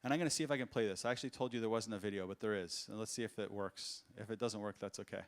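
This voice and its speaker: A man's voice: on the low side, fairly even intonation, rapid-fire. A man, an entrepreneur, giving an earnest conference talk full of personal stories, with frequent fillers and restarts. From United States. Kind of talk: conference keynote storytelling. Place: conference stage.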